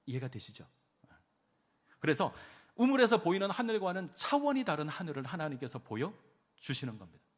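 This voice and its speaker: A man's voice: a little high, big pitch swings, moderate pace, long pauses. A man, a pastor, preaching a sermon and acting out quoted speech with rising emphasis.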